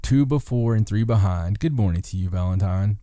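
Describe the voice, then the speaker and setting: A man's voice: fairly low pitch, a little fast, mellow, no echo. A man hosting a podcast, reading out folklore in a casual way with dry, joking asides. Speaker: podcast host.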